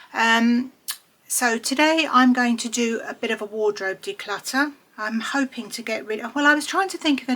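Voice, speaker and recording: Speaking with an English accent, a woman has a fairly high, bright, sharp voice, lively intonation and a moderate pace. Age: 70s. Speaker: lifestyle vlogger. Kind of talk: casual chat. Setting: at home. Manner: hesitant, many fillers.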